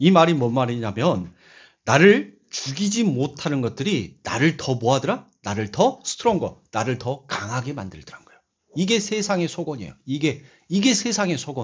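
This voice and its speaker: With a Jeolla accent, a man talks in an animated, somewhat breathy tone at a fairly high pitch and a moderate pace, his pitch swinging very widely and his loudness shifting a lot. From Jeolla region, South Korea. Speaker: pastor. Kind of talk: sermon. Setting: church. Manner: animated, rhetorical questions.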